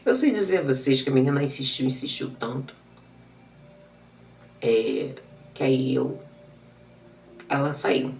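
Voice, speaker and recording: A woman's voice: a bass voice, expressive, measured pace, gravelly, pauses often, a little mellow, roomy sound, recorded from a distance, a little hiss or hum. A woman, telling a personal story and acting out the dialogue. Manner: emotional, repetitive retelling with quoted dialogue. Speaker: channel host.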